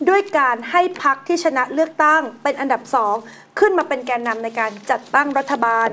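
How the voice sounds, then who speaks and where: A woman hosting a news talk show, reading items and chatting about them in a relaxed, conversational way. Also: high voice, a little fast, a little hiss or hum.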